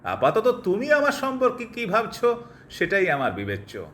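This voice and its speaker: A man playing a cold, calculating doctor in an audio drama, pressing his love insistently and deliberately, with English phrases dropped in. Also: high-pitched, huge pitch swings, a bit bright, full character voice. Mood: brusque, confronting. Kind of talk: Bengali audio drama acting.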